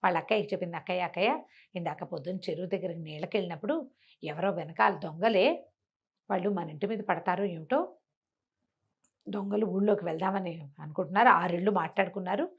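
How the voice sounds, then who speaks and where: A woman's voice: fast talker, husky. An older woman telling a village folk tale, slipping into the characters' voices as she goes. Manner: acts out characters' lines with lively pitch swings. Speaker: storyteller. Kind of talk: animated folk-tale narration.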